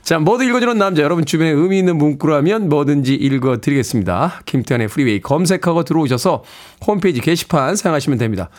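A man's voice: on the high side, expressive, fast talker. A middle-aged man hosting a radio show, chatting and reading out listener messages and announcements from a studio microphone. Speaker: radio host.

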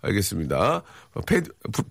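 A man's voice: fairly low pitch, wildly swooping pitch, moderate pace, creaky, a bit bright, husky, dry recording, studio quality. A man hosting a radio show, teasing a staff writer in a mock-serious, playful way. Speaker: radio host. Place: radio studio.

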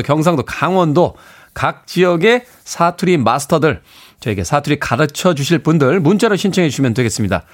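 A man hosting a radio show, chatting, reading listener messages and plugging events with self-mocking humor. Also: a little high. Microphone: studio microphone.

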